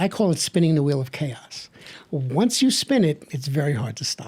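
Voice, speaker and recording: A man with a New York accent talks at a moderate pace, his fairly high voice carrying a dark, mellow tone. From New York City, the Bronx. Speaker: paramedic. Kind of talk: casual chat. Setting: home studio. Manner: loud.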